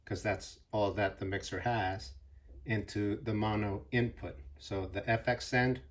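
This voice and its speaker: A man's voice: on the low side, steady tone, a little slow. A man presenting a casual hands-on tutorial on equipment, explaining things plainly, step by step. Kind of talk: casual hands-on gear demonstration.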